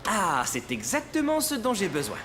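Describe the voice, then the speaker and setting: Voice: mid-range voice, huge pitch swings, normal speed, heavy background noise. An actor playing a kind, patient young father in a children's cartoon, over music. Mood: satisfied. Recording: loud cartoon music underneath.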